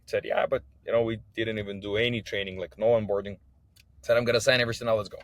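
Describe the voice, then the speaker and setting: Low-voiced man. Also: level tone, fast talker, no echo. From Kazakhstan. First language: not English. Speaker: podcast guest, business owner. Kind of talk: personal storytelling in an interview.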